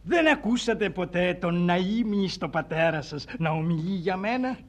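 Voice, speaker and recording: Brief: a high-pitched, gushing old ex-cashier, stiff and ceremonious. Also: male voice, expressive. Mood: effusive. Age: older. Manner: stiff old-fashioned formal speech, florid. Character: elderly male ex-bank cashier, pompous, effusive.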